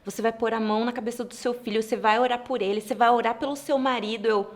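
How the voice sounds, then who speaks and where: Earnest Brazilian woman with a fairly high voice. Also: fairly even intonation, fast talker. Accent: Brazilian Portuguese. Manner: earnest confessional telling, quoting her own thoughts. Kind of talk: casual faith testimony conversation.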